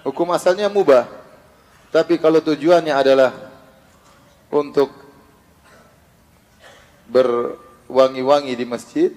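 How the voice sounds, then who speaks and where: A man's voice: medium pitch, steady tone, slow, long pauses, darkish tone. Male religious teacher, lecture style, recites Arabic verses, reverberant hall recording. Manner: asks the audience rhetorical questions and answers them himself; recites Arabic verses between plain explanations. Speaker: Islamic teacher.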